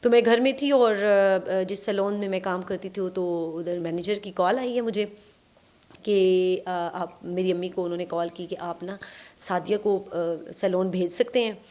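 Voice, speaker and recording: A woman's voice: fairly low pitch, fairly even intonation, unhurried, a little mellow. A young woman, an actress, recalling her start in a reflective, storytelling way with hesitant fillers. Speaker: actress, guest. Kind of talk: casual interview chat.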